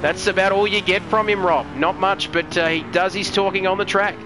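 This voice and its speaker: A chatty man calls a racing live stream, cracking jokes and reading out viewer comments. His voice sits high for a man. A steady noisy hiss runs under the recording. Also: brisk. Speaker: race commentator.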